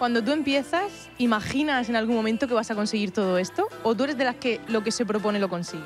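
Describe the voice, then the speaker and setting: Clear music plays in the background of this dry recording with no echo, and the speech runs with hardly any pauses. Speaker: TV reporter. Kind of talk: TV news report. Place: stadium. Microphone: handheld.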